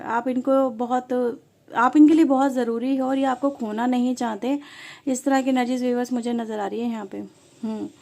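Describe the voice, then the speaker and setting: Woman, high and mellow voice; chatty tarot reader talking to viewers. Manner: conversational, mixes English words, addresses viewers often. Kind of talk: casual tarot reading to viewers.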